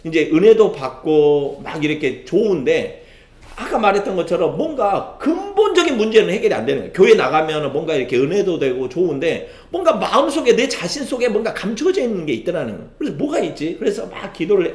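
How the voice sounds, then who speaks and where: A male pastor tells a story in a sermon, and his pitch rises and falls a great deal. His voice sits a little high for a man and carries on the echo of a church sanctuary. He keeps stopping to add short affirming words. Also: fairly quick. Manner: animated storytelling with frequent affirming interjections.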